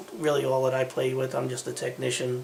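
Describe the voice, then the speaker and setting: Over noticeable background noise, a man mumbles at a medium pitch. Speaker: preparedness gear video blogger. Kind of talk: casual video monologue. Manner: mumbling; halting, many fillers.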